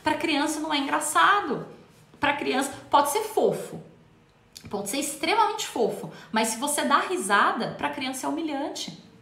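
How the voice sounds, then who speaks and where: High-voiced woman talking to parents, echoey. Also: sing-song, moderate pace, fairly bright tone. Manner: emphatic, repeats words for stress. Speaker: parenting educator. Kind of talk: talk to viewers.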